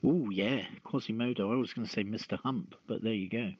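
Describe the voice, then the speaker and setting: Man, casual podcast host, unhurried, lower-pitched, dull lo-fi sound. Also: husky, dry recording. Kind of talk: casual chat. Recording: dull, lo-fi online audio.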